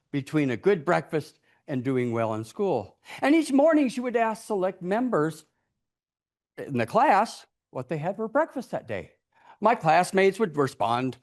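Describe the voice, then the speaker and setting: A man giving a theatrical storytelling speech in a dramatic, deliberate manner, acting out the characters as he goes. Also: high voice. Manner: dramatic, deliberate delivery with acted-out voices. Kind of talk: theatrical tall-tale speech.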